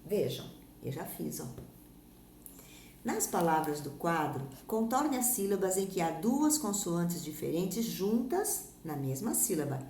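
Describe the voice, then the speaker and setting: A woman teaching a primary school lesson, speaking Brazilian Portuguese in a patient way, stretching example words out slowly and checking that her pupils follow. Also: lowish voice, sing-song, mellow. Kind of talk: recorded remote class lesson. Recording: echoey room with faint background noise.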